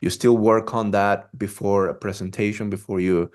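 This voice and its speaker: Low-voiced, encouraging male podcast host. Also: steady tone, normal speed, a little mellow. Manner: encouraging, affirming, enthusiastic. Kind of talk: podcast interview.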